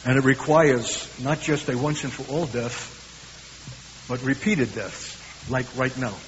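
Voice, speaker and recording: Brooklyn-accented man preaching in a hall. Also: mid-range voice. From USA. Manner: earnest, emphatic, with slow weighty pauses. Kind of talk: sermon. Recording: hissy, dull recording in a reverberant hall.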